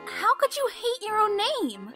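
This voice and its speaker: A woman playing an eager, naive young student, perky, chatty and excitable, in an audio drama. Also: extremely high pitch, a little slow, soft background music, heavily acted. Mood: puzzled.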